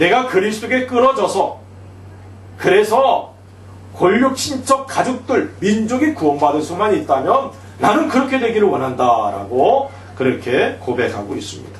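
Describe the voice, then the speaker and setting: A man talking fairly slowly, with noticeable background noise and audible room echo. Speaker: pastor. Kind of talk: sermon.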